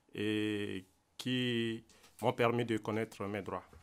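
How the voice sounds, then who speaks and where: A man is speaking. He has a Central African accent. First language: Sango (speaking French). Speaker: suspect at court hearing. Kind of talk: court hearing. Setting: courtroom.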